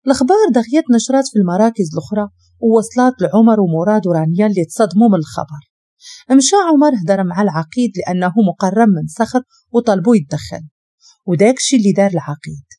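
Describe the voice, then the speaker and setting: Moroccan woman narrator for a drama story, warm lively voice, dry close sound. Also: medium pitch, quick pace, no echo. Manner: steady expressive narration.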